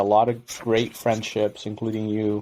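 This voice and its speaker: A man's medium-pitched voice, dark and mellow in tone, with a slight Brazilian accent. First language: Portuguese. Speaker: entrepreneur, company CEO. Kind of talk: casual interview.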